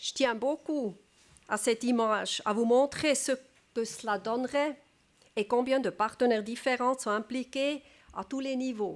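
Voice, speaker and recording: Long, frequent pauses break up speech in a Swiss German accent at a fairly slow pace. The recording is very clean, with a silent background. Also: woman, high pitch for a woman, fairly even intonation. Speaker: federal police director. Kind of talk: public talk. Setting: press club with audience.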